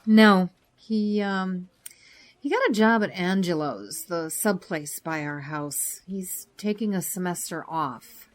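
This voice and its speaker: A woman's voice: on the low side, expressive, slow. An actress playing a frank, dryly humorous female doctor in a naturalistic audio drama. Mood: weary, guarded. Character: frank, warm-hearted female doctor, mother.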